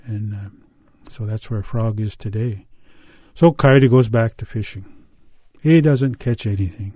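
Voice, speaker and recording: An older man from the US Pacific Northwest telling a folk tale and talking about old recordings, in a halting, unhurried way with many pauses and fillers. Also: on the low side, warm tone, no room sound, studio quality. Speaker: storyteller. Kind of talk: oral storytelling and interview.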